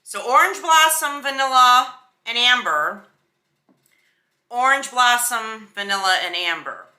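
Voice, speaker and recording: A woman's voice: a little high, unhurried, pushed and bright. A woman giving a casual, chatty beauty product review in a sassy, emphatic, slangy way. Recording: roomy indoor echo.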